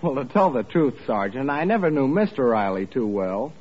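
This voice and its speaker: An actor playing a sly young suitor, polite with feigned innocence, in a 1940s radio sitcom. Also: male voice, mid-range voice, big pitch swings, moderate pace. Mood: sly, innocent. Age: young adult. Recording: muffled 1940s radio recording.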